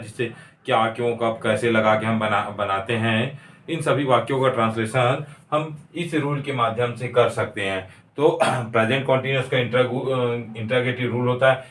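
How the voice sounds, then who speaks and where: A man's voice: medium pitch, a bit bright, far from the mic. Man teaching in an echoey room. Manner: slow, deliberate dictation of English sentences; frequent throat clearing. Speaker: spoken English teacher. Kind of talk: classroom grammar lesson.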